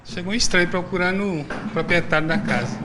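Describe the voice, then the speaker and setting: A man with a Brazilian accent, a robbery victim telling a news interviewer what happened in a plain, hurried way. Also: high-pitched, very noisy. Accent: Brazilian Portuguese. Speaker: crime victim.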